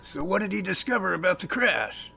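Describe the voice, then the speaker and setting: Man acting high, gravelly, intrigued confidant. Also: lively intonation, fairly quick, pushed and bright, full character voice. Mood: puzzled, curious. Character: puzzled, intrigued male listener questioning a confidant. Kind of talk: amateur audio drama dialogue.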